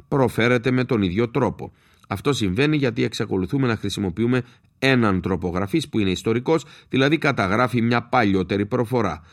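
A man, a linguist, giving a scripted educational talk in a measured, explanatory way, spelling out letters slowly. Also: fairly low pitch, creaky.

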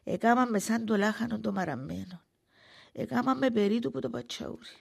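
Creaky, weary old Cypriot Greek mother. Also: on the high side, heavily acted. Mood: weary, anxious. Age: older. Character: anxious, pious old mother, weary and complaining. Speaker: actress in a drama. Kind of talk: dramatic dialogue and monologue in dialect.

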